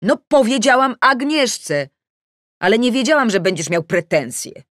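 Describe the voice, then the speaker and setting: Bristling middle-aged bride-to-be played by a woman narrator: defensive, flustered, exclaiming, very lively pitch, dry storybook sound. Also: a little slow, no echo. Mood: indignant. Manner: emotional, exclaiming, self-justifying. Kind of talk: acted audiobook dialogue.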